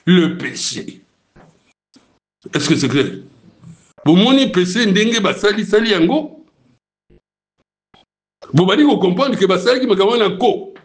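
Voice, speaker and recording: Un homme à l'congolais qui prêche un sermon et demande souvent à l'assemblée si c'est clair. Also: male voice, sits high, lively intonation, a little slow, pauses often. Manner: preaching in Lingala mixed with French, asking the crowd if it is clear. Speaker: preacher.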